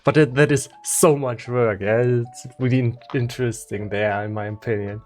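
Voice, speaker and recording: A man's voice: medium pitch, fairly even intonation, a little mellow, faint music behind. German-accented man chatting on stream. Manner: halting, many restarts and fillers, laughs often. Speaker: game developer streamer. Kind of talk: casual live-stream chat.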